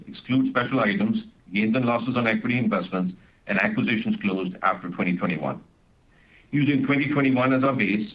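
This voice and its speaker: A man speaking as a finance executive on an earnings call, in a formal, measured way. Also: on the low side, slightly rough. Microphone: conference call line. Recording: dull, lo-fi conference call audio.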